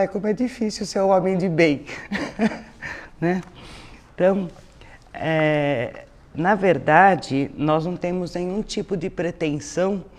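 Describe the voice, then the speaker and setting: A woman's voice: lowish voice, a little mellow. Brazilian lady giving an informal spiritual talk, takes her time, teacherly, keeps checking in with little tags. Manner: didactic, frequent "né" tags. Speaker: spiritist lecturer. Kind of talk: informal religious talk with read passages.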